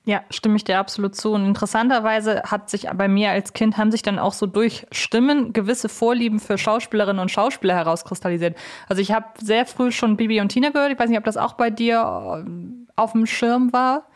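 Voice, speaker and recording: A woman's voice: mid-range voice, brisk. A woman hosting a podcast, chatting casually and offering her own opinions as she interviews.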